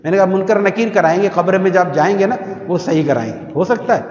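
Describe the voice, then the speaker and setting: A man from Pakistan preaching a sermon to worshippers in a mosque, conversational with rhetorical questions, sometimes reciting verses in a slow melodic chant. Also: sits high, a little mellow. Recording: echoey hall, muffled sound.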